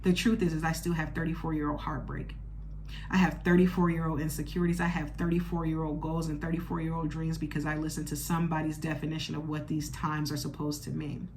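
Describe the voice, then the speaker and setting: A woman in her thirties hosting her podcast as a candid solo monologue, expressive and blunt, swearing freely. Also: low voice, quick pace, a little hiss or hum. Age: 30s. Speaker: podcast host.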